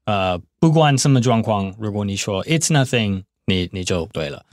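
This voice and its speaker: Relaxed bilingual male co-host, dry mic. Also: lowish voice, moderate pace, no room sound. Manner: relaxed, hesitant with fillers, switches between English and Mandarin. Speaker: co-host and English teacher. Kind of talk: casual teaching chat.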